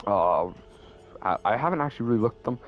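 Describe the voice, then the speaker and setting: A man's voice: mid-range voice, animated, quick pace, faint music behind. A young man casually explaining his game builds as a YouTuber, rambling and correcting himself as he goes. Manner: rambling, self-correcting, stutters. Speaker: gaming YouTuber.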